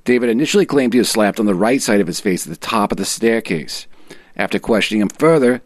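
A man's voice: lowish voice, no echo, lightly acted. A man acting out a stock movie cop with a thick mash-up of northeastern American accents. He delivers a police report in formal, procedural, matter-of-fact fashion. The recording is dry and close, with no room around it. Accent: exaggerated northeastern US. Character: clichéd gruff East Coast American movie cop reading a police report. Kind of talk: dramatic reading of a police report.

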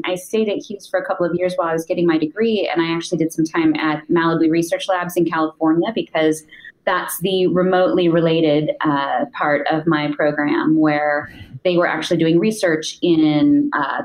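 A woman from the United States is a guest on a podcast, and her voice sits very low for a woman. She talks through her career in a relaxed, matter-of-fact way, often pausing on an um. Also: poor audio. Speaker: podcast guest, voice interface designer. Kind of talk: interview answers, career story.

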